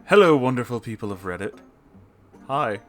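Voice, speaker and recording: A man's voice: mid-range voice, very animated, moderate pace, faint music behind. A man reading an online post aloud, breaking off now and then with disgusted reactions. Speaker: story reader.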